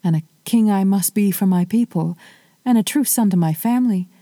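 A woman's voice: medium pitch, brisk, warm tone, no echo, lightly acted. A woman voicing a proud, stubborn young king. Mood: earnest. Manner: firm, declaiming.

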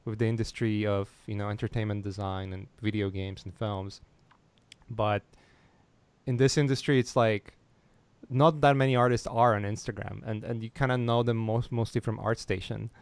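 A man's voice: on the low side, steady tone, moderate pace, clean tone, dry recording. A man hosting a casual interview over a call, talking with many restarts and fillers and laughing easily. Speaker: podcast host.

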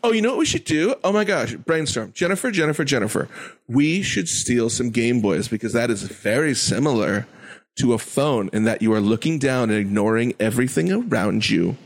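A man playing an excitable, scheming young shopper in a comedy sketch, gushing and repeating himself in youthful slang. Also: mid-range voice, brisk. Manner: gushing, exclamatory, repetitive, teen-like slang.

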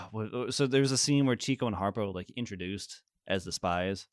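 A man's voice: fairly low pitch, normal speed, no room sound, studio quality. A young man co-hosting a casual film review podcast, rambling with fillers and laughter. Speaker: podcast co-host.

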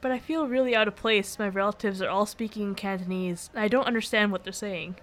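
A woman's voice: mid-range voice, quick pace, a bit bright, close to an everyday voice. A woman as an earnest, questioning young woman. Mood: chatty. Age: young adult. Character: young mixed-race woman, searching and earnest.

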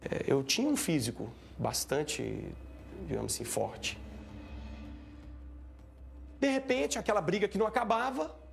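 A man recounting a tense event in an interview, animated and acting out what people said. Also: high voice, measured pace, gravelly, long pauses, a little hiss or hum. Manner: animated, acts out shouting and quoted speech. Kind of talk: emotional first-person account.

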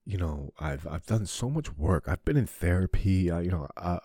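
A man hosting a podcast, crying as he opens up in a halting monologue, swearing often and restarting his sentences. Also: low-pitched, dark tone, dry recording, clean studio sound. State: crying, sniffling. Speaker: podcast host. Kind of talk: emotional confessional monologue.

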